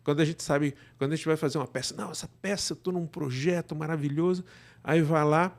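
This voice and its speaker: A middle-aged Brazilian man speaking casually as an interview guest, illustrating his points with imagined remarks in an animated conversational way. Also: fairly high pitch, fast. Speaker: guest, director and cultural producer.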